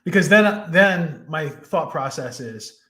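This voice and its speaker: A man's voice: on the high side, lively intonation, slow, sharp tone. A man hosting a podcast, chatting casually with a guest, with lots of fillers and restarts. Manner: conversational, many fillers and restarts. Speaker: podcast host. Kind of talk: casual interview chat.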